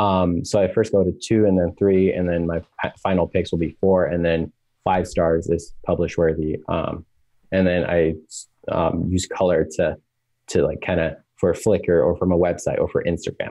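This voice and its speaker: Very deep and low, a man's voice moves at a moderate pace with monotone, flat intonation and very even loudness. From Norway. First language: Norwegian. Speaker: photography student. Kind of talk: interview.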